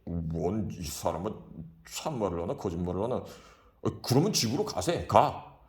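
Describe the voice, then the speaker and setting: A man's voice: sits low, big pitch swings, a little slow. A man voicing a puzzled, cautious middle-aged drinking buddy who speaks in a mild, reasoning tone. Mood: worried.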